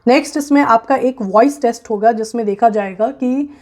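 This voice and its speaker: A woman with an Indian accent presents an informal guide in a somewhat high-pitched voice. She explains point by point in a frank, emphatic way, mixing in English phrases as she addresses her viewers. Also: normal speed, a little mellow. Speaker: presenter of a job recruitment guide.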